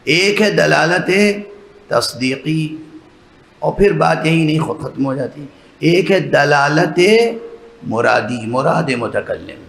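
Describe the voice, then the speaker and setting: A religious scholar speaks to a mourning gathering in a gravelly, slightly bright voice on the high side, leaving long pauses. His sermon lecture lays out its points step by step and often checks in with listeners through rhetorical questions. The hall is echoey, with faint background noise.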